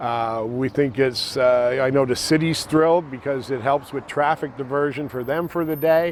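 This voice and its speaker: With noticeable background noise behind him, a man talks at a moderate pace and fairly high pitch with ordinary pitch variation. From Pottsville, Pennsylvania. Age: 60s. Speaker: car show organizer, city councilman. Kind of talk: casual interview.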